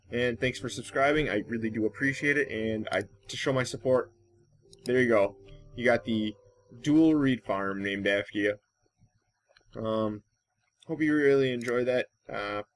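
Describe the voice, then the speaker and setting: A man hosting a casual, rambling gaming commentary, thinking aloud in a halting way and trailing off. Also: medium pitch. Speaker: gaming channel host.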